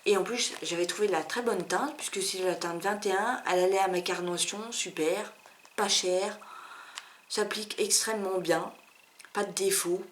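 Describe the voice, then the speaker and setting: A woman in a casual product-review vlog talks at an everyday middle pitch, chatty and candid, with plenty of fillers and little asides to her viewers. A faint hiss sits under the recording. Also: moderate pace. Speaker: beauty vlogger.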